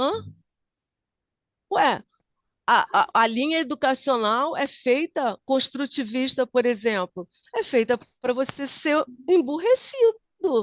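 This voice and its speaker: With a high pitch and lively intonation, a woman speaks with long, frequent pauses in a dry, close recording without echo. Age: 60s. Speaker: study group participant. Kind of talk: informal discussion.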